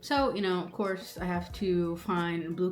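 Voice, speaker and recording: Audible room echo surrounds speech whose pitch varies in an ordinary way. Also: woman. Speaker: vlogger. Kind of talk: casual chat.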